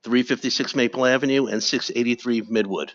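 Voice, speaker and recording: A man's voice: mid-range voice, a little fast. A man, an acting town department commissioner, answering a resident in a matter-of-fact way at a meeting. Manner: matter-of-fact, reads out addresses. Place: town hall meeting room. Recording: dull lo-fi livestream audio.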